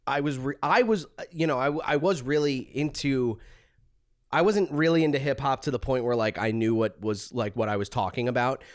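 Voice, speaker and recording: A man's voice: medium pitch, brisk, no room sound, clean studio sound. A man in his thirties from Long Island chatting casually as a podcast guest, joking and self-deprecating. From Long Island, New York, USA. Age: 30s. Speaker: podcast guest, stand-up comedian. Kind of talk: casual interview chat.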